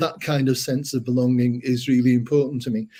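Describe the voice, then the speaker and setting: Dark, mellow tone from a man with a Scottish accent, medium pitch and monotone, flat intonation, at a fairly quick pace. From Scotland (Edinburgh and Liverpool). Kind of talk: podcast interview answer.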